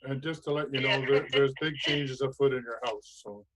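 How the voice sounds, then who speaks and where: A man's voice: medium pitch, fairly even intonation, normal speed, fairly bright tone, slight background noise, rough recording. A man co-hosting a wellness call-in show, greeting callers briefly in an easygoing way. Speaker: co-host.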